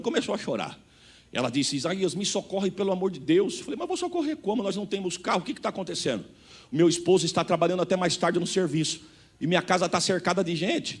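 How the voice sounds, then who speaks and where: A Brazilian man preaching a fervent testimony, calling out to the congregation. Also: on the high side. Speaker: pastor.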